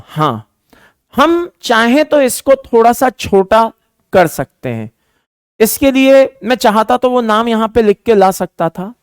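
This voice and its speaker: Guy teaching chemistry, hindi english mix, talks slow and spells out terms, super dry sound. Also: high voice, clear, resonant tone, dry recording. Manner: slow dictation, repeating terms for students to write; calls students "beta", patient and explaining. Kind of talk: online lecture mixing Hindi and English.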